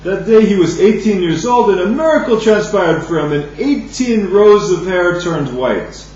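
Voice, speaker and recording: This Talmud teacher's voice sits high and sounds expressive with a darkish tone; in his daily lesson he reads Aramaic and explains it in English, halting and restarting phrases along the way. Recorded from afar on a dull lo-fi mic, the very echoey room adds a faint hum.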